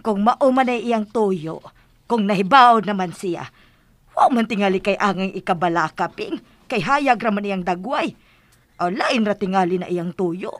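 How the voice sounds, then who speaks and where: A woman's voice: medium pitch, a little slow, no room sound, lightly acted. An actress playing a flustered, teasing village woman in a radio drama comedy, with a Bisaya accent. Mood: reassuring.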